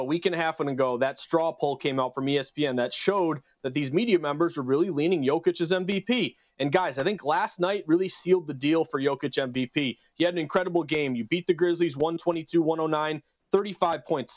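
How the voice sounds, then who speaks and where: Male guest, slight Boston accent, rapid odds rundown, dry dull remote line. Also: fairly high pitch, no room sound. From western Massachusetts. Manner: brisk, number-heavy, upbeat. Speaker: sports betting analyst guest.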